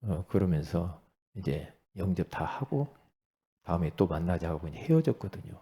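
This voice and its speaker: A middle-aged male pastor preaching a sermon in a conversational way, swinging from loud bursts to hushed asides and often asking the congregation for assent. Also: low-pitched, sing-song, moderate pace.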